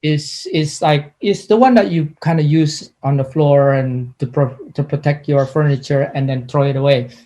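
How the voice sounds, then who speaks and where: Middle-aged guy from indonesia, slightly high voice, keeps stopping and restarting as he talks. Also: mellow. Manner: halting, many restarts and pauses. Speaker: artist. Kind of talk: casual interview answers.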